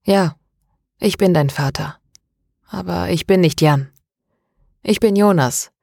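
A woman voicing a calm, tired middle-aged man confessing his past, in an audiobook. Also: fairly low pitch, creaky, no echo, clean studio sound, full character voice. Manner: calm, even and measured.

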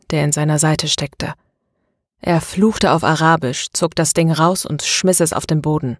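A woman narrating a novel in a steady, measured reading. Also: low voice, no echo, clean studio sound. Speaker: audiobook narrator. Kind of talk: scripted narration.

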